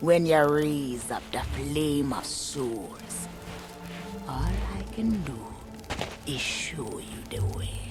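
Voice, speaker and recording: Over loud music in the background, a put-on character voice crawls along at a very slow pace with long, frequent pauses. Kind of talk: dark fantasy trailer narration. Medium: short film. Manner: cryptic, ominous, slow.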